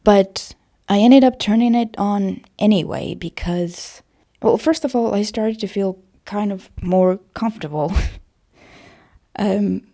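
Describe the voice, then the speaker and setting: A woman talking in a casual personal vlog style, with a creaky voice and a hesitant, self-conscious, rambling manner. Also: medium pitch, slow pace, warm tone. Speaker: voice actor vlogger.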